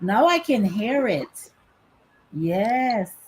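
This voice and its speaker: Lively intonation from a woman with a somewhat breathy voice. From Caribbean. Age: 50s. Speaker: live stream host. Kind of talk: casual chat. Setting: live stream on tablet.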